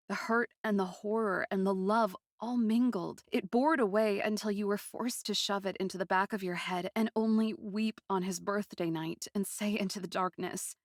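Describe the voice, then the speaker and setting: Actress for passionate, wounded fantasy princess narrator in a fiction podcast. Medium pitch, intense delivery, very dry sound. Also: female voice, gravelly, no room sound. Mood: grieving. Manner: intense, emotive. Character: grieving, passionate young captive princess narrating her story. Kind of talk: dramatic first-person storytelling, fan-fiction podcast.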